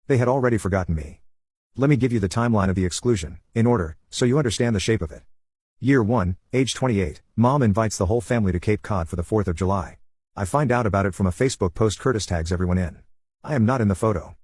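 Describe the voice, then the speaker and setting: A man in his thirties from the United States reads a first-person story in a measured, deliberate way. His voice is low and husky, and the recording is dry and close with no room sound. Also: darkish tone, dry recording. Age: 30s. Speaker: narrator.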